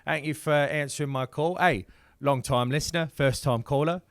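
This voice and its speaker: Bloke doing a chummy fake-british prank caller, rambly, says mate a lot, dry close sound. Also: male voice, fairly high pitch, normal speed, no echo, close to an everyday voice. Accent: put-on British. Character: cheeky male caller posing as a transplanted New Zealander, blokey. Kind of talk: comedic improvised bit.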